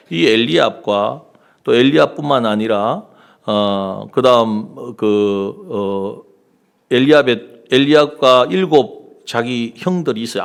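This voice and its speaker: A man's voice: medium pitch, vocal fry. A man preaching a sermon as pastor, acting out the quoted speech of the figures he talks about. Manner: animated preaching, acts out quoted lines.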